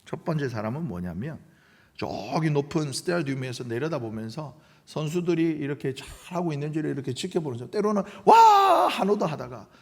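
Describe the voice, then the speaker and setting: A man's voice: a little high, expressive, brisk, darkish tone, long reverb tail. A middle-aged man with a Gyeongsang accent, preaching a sermon as senior pastor, acting out quoted voices and dropping to near-whispers. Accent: Gyeongsang Korean. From Gyeongsang region of Korea.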